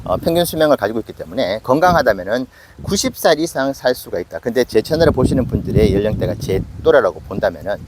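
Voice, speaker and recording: A man's voice: medium pitch, sing-song, fast, noisy background. A man in his late forties hosting an investment channel, talking casually and acting out his viewers' doubts. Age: 40s. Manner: conversational, self-questioning with acted asides. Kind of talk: casual investing talk to camera.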